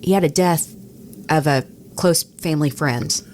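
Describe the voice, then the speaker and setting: A woman's voice: sits low, unhurried, a little mellow, a little hiss or hum. A middle-aged American woman co-hosting a show, sharing stories in casual conversation. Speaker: podcast co-host, radio personality. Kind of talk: casual chat.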